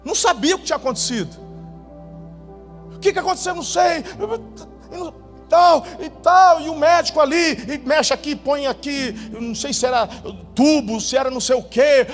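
A male pastor preaching a sermon, telling a testimony dramatically, his voice swinging between loud bursts and hushed moments. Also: extremely high pitch, fairly quick. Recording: reverberant hall with faint music.

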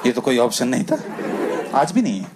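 Animated male stand-up comedian. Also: medium pitch, brisk, very noisy. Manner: animated, self-mocking storytelling. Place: comedy stage. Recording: live show with loud crowd laughter.

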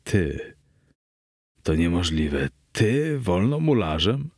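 A man's voice: low voice, big pitch swings, slow, a little mellow, no room sound, studio quality, full character voice. A man voicing a tipsy, boastful wine connoisseur in an audiobook, in a slurred, careless way.

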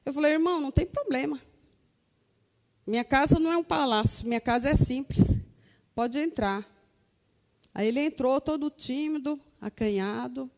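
A woman's voice: sits high, normal speed, long pauses, big-room sound. A Brazilian woman giving an earnest testimony to a congregation, calling her listeners brothers. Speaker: church member giving testimony.

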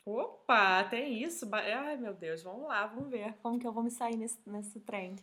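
A woman's voice: fairly high pitch, normal speed, sharp tone. A woman in her thirties with a Brazilian accent, chatting as an interview guest, telling stories animatedly and laughing often. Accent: Brazilian Portuguese. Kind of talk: casual chat.

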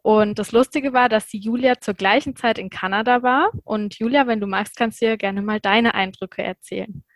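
A woman in her twenties co-hosting a podcast, brisk and fluent. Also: a little high, no room sound. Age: 20s. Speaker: podcast co-host. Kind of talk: casual podcast chat.

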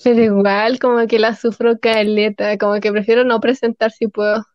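A woman's voice: on the high side, level tone, moderate pace, a little mellow, no echo, highs cut off. A young woman from Chile with a Chilean Spanish accent, co-hosting a podcast in casual chat. She rambles and fills her speech with filler words. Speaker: podcast co-host.

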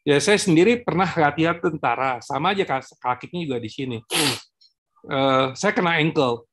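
A man speaking as a guest in a talk-show discussion, pausing often with fillers and restarting phrases, and dropping English terms into his speech. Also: on the high side, animated, fairly bright tone. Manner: halting, many filler pauses and restarts.

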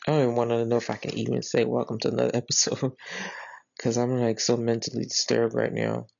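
A woman with a drawl talks casually into a close mic, her voice gravelly and full of vocal fry. She rambles earnestly and often restarts her sentences. The recording is dry and a little dull. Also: very deep voice, flat delivery, fast talker, darkish tone, dry recording. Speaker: podcast host. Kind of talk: casual spoken retelling of a dream.

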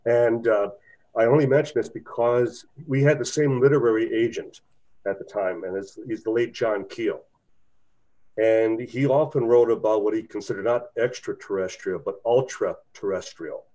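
Mellow-voiced male podcast host. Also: medium pitch, normal speed, rough recording. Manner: polite, interjecting, explanatory. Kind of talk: casual chat.

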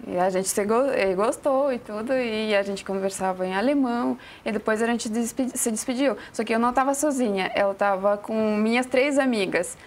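A woman's voice: on the high side, normal speed, hardly any pauses. A woman from Russia's Ural Mountains with a Russian accent, answering interview questions in a second language and searching for words as she goes. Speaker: talk show guest, fashion designer. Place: TV studio.

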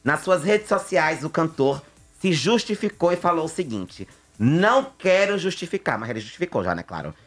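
A man's voice: a little high, lively intonation, a little fast, faint music behind. A man presenting celebrity gossip on radio in a campy, chummy way, addressing listeners affectionately. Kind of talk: chatty celebrity gossip segment. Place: radio studio.

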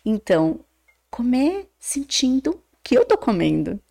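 A Brazilian woman psychologist talks as a podcast guest, her fairly high voice swooping up and down as she explains. There is a gravelly fry under her words, and she keeps checking in with her listeners with short questioning tags. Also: a little slow. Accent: Brazilian Portuguese. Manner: animated, acts out quoted voices, many "né?" tags.

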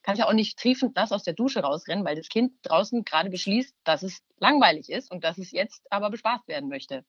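Frank, husky-voiced mother giving advice. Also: medium pitch, expressive, a little fast, hardly any pauses, no room sound. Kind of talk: casual chat. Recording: slightly dull, lo-fi sound.

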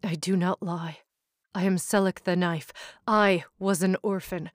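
A woman's voice: on the low side, steady tone, unhurried, dry recording, clean studio sound, natural voice. A woman voicing a frightened male thief, an orphan, pleading urgently. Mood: earnest.

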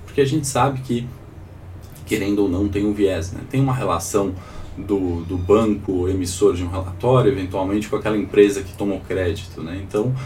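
A man's voice: lowish voice, fairly even intonation, brisk, a little mellow. A Brazilian man hosting a live financial morning call, talking informally, his voice congested and sore from a cold, as if his tonsils were swollen. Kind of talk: informal live market commentary with audience questions. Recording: distant mic with faint background noise.

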